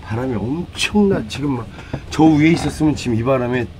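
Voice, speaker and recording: A man's voice: mid-range voice, animated, brisk, a little mellow, slight background noise. A man narrating a casual vlog to his viewers, talking in a colloquial, blunt, slangy way. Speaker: vlog host.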